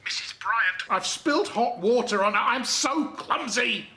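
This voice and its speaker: A man's voice: very high voice, animated, a little slow, bright, forceful tone, heavily acted. An actor playing a distraught, clumsy man in a TV drama, crying on the phone as he pleads in panic. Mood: panicked, tearful. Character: distraught, clumsy brother-in-law begging for a doctor. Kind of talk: naturalistic TV drama acting.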